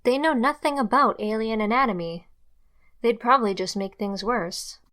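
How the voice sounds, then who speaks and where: A woman playing a cool, unsentimental character in an audio drama, speaking in a measured, blunt manner. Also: on the high side, fairly bright tone, close to an everyday voice. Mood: cool, firm.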